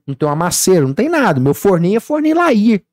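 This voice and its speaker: This high-pitched man in his thirties races through his words, recorded with no echo. Guesting on a relaxed podcast, he spins lively anecdotes and performs the dialogue of the people in them.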